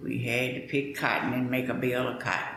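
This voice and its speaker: Audible room echo around a woman's voice at a moderate pace. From US South, rural Alabama. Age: 90s. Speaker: interviewee, retired former farm worker. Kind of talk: life story interview.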